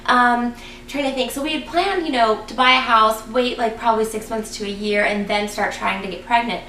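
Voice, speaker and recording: A woman vlogging casually to her viewers, chatty and excited, a little raspy and congested from a cold. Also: fairly high pitch, normal speed, distant mic, a little hiss or hum. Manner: chatty, excited, lots of ums. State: congested, getting over a cold. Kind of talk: casual vlog talking to viewers. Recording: echoey room, voice a bit off-mic.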